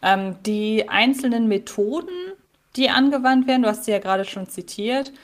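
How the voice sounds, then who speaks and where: A woman's voice: a little high, normal speed. A woman co-hosting a podcast in casual chat, analytical and wordy, often correcting herself. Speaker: podcast co-host. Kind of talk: casual chat about a radio play.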